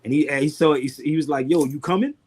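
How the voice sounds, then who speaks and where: Laid back guy joking around on a webcam call, kinda high voice, lots of slang. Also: fast talker, breathy edge. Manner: loose, joking slang-filled storytelling. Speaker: guest. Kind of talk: casual video call chat.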